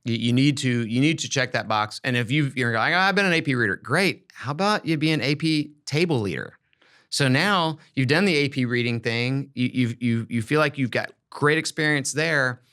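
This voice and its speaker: Man podcasting, halting conversational style. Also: medium pitch, sharp tone. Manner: halting, repeats words while thinking aloud. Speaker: podcast host. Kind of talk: casual conversational advice on an education podcast.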